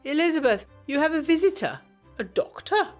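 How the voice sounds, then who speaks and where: A woman's voice: high-pitched, sing-song, a little fast, soft background music, voice pushed up. A woman voicing a fussing upper-class mother with an emphatic manner in a period audio drama. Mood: excited.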